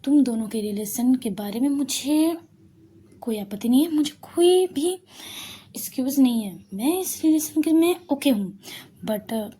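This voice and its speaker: A woman's voice: high-pitched, animated, a little slow, mellow, husky, full character voice. A woman voicing a playful young woman who teases her friend and worries earnestly for her sister.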